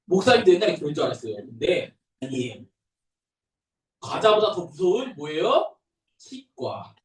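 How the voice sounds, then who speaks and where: A young adult man gives a children's sermon in a high, lively, sing-song voice, his pitch bouncing up and down as he talks to little ones. He sounds a bit far from the mic, and the church room around him rings with echo. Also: normal speed. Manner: animated, sing-song storytelling to toddlers. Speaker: pastor. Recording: echoey room, voice from a distance.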